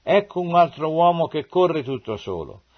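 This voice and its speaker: An alert watchman calling down from a wall, read by a man. His voice lifts a little higher as he calls out. The recording sounds dull and lo-fi. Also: a little slow, close to an everyday voice.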